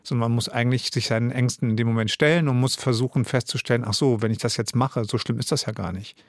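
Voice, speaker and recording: A man in his fifties from Germany speaks as an interview guest, thoughtful and self-deprecating, pausing on fillers. His voice sits in a middle range. The studio sound is close and dry. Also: mid-range voice, steady tone, no echo. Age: 50s. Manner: reflective, self-mocking, with ähm fillers. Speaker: guest, radio drama director and author. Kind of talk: relaxed radio interview.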